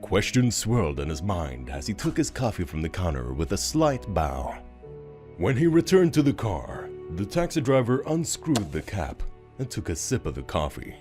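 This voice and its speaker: A man narrating a scripted audio drama story in a dramatic, expressive storytelling manner. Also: low-pitched, moderate pace. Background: music.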